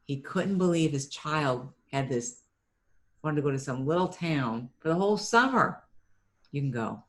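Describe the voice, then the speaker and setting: A middle-aged woman from Ohio, a marketing business owner, telling stories in a chatty way as a guest in an interview and often repeating a word as she restarts. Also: low voice. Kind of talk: conversational storytelling interview.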